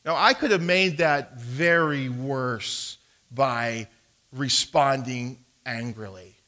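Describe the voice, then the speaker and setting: A man's voice: medium pitch, takes it slowly, pushed and bright. A man, preaching a sermon as a pastor and telling a personal story, emphatic, with frequent restarts. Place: church sanctuary.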